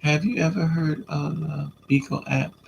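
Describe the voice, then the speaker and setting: A man's voice: a little high, moderate pace, gravelly, slight background noise, rough recording. A man with a stuffy nose from a coming cold, chatting casually on a live stream and answering viewers' comments. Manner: relaxed, chatty, talks back to commenters.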